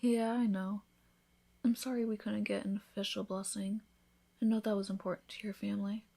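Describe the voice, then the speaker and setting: A woman voicing an affectionate, teasing newlywed vampire in an intimate, soft-spoken ASMR roleplay, with tender, breathy delivery. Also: mid-range voice, little pitch movement, a little fast. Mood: apologetic.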